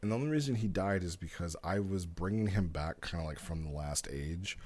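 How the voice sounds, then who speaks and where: A man giving casual, explanatory commentary as a streamer, talking through a story in an animated way. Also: low-pitched, fairly quick. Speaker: streamer reviewing roleplay stories.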